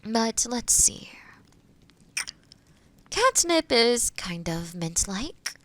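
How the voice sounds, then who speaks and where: A woman playing a kind, gentle forest witch in a roleplay audio, explaining potion work softly and caringly to the listener. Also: a little high, very animated, very slow, exaggerated voice. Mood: thoughtful. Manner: soft, caring, hesitant, explaining patiently.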